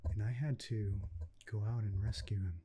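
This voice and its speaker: A man playing an earnest, kindly video game repairman in a soft-spoken ASMR roleplay, gentle, folksy and unhurried, slipping toward a whisper, close to the microphone. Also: on the low side, fairly even intonation, breathy edge. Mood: wistful storytelling.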